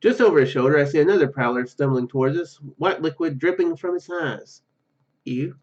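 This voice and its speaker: A man's voice: a little high, fairly quick, a little mellow, dull audio. A man hosting a let's play, reading story narration aloud with stumbles and casual asides. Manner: stumbles over words while reading. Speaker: gaming video host.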